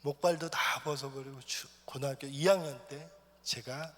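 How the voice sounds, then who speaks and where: A man's voice: mid-range voice, fairly even intonation, normal speed. Impassioned male preacher in a reverberant hall. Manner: emotional, swinging from loud cries to hushed whispers. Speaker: missionary preacher. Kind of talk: sermon testimony. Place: church sanctuary. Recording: long church hall reverb.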